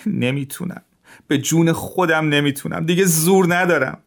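A man's voice: fairly high pitch, vocal fry, pitched above the performer's own voice. A man voicing a weak, timid officer who whines and pleads. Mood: pained. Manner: whining, pleading. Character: weak, timid, complaining male Russian officer.

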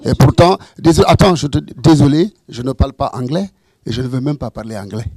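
Gravelly-voiced man, a fiery debater with a dry, close sound. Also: medium pitch, a little fast, a little mellow, no echo. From French-speaking, living in Toronto. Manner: impassioned, emphatic, repeats himself. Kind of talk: formal debate speech.

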